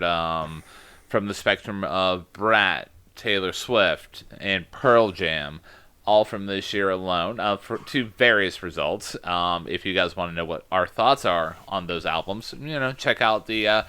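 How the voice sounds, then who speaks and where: Male podcast co-host, lower-pitched, smooth and resonant, casual and rambling. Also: a little slow, pushed and bright, dry recording. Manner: rambling, self-deprecating, lots of filler words.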